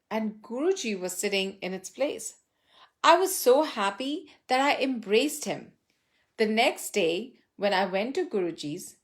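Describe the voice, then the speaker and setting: A woman reading a written devotional testimonial aloud in a reverent, measured way, phrase by phrase with pauses. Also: medium pitch.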